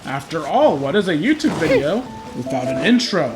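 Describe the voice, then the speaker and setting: A man's voice: on the high side, big pitch swings, moderate pace. A man doing joking livestream game commentary in a wry, theatrical, self-deprecating manner. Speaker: game streamer. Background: game music.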